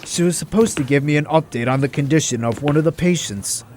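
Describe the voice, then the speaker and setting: A man's voice: fairly high pitch, quick pace, a little mellow, slight background noise, natural voice. A man playing an earnest, determined and urgent doctor hero in an audio drama. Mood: worried, urgent.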